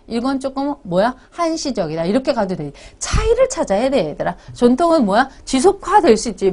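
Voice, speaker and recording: A woman's voice: on the high side, a little mellow. A woman teaching an exam-prep essay class, casually firing questions at her students and answering them herself. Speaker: essay tutor.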